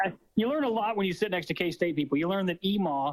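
A man with an Arkansas accent speaks at a very fast pace. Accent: Southern US (Arkansas). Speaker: college football commentator. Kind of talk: casual sports chat. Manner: animated.

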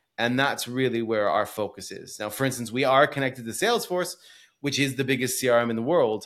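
On a very clean recording with a silent background, a man with an ordinary speaking voice talks at a fairly quick pace in a medium pitch. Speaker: startup CEO. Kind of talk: casual interview.

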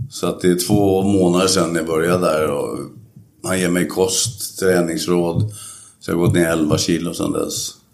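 A man talks at a moderate pace in a very deep, low voice with fairly even intonation. Background noise is noticeable. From Stockholm, Sweden. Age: 60s. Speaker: carpenter and biker club member. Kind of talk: interview, life story. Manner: halting.

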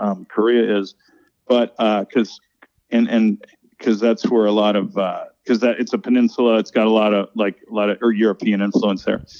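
A monotone, flat delivery with an American accent at a fairly quick pace. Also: man, medium pitch for a man. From US West Coast, Orange County (born Toledo, Ohio). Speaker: comedian. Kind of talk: casual chat. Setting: remote from home.

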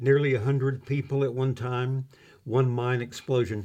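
A man with an American accent, medium-pitched, dark and mellow in tone, at a fairly slow pace. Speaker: historian and author. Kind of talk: casual chat.

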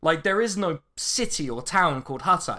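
Speaking with a southern English accent, a man with a bright, sharp tone uses lively intonation in a very clean recording with a silent background. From England, Reading. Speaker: history podcast co-host. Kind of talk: casual chat. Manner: animated.

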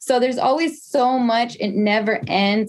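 Somewhat breathy and fairly high in pitch, a woman with an American accent talks with ordinary pitch variation. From Reno, Nevada. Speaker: small business owner. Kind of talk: casual interview. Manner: animated.

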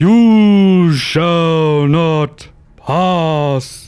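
A put-on character voice at middle pitch. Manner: yelled, dramatic.

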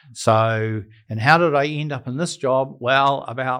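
A man with a New Zealand accent speaks at a medium pitch with ordinary pitch variation. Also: quiet background. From New Zealand, Waikato. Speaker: treaty educator and former teacher. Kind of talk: interview.

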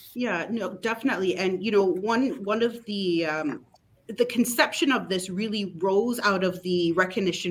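With a Jamaican Canadian accent, a woman speaks at a medium pitch. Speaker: diaspora council representative. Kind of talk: casual interview. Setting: video call.

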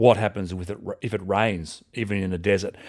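In a very clean recording with a silent background, a man speaks with an Australian accent. His voice is fairly low in pitch, with fairly even intonation. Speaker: podcast co-host, PR consultant and former journalist. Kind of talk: casual chat.

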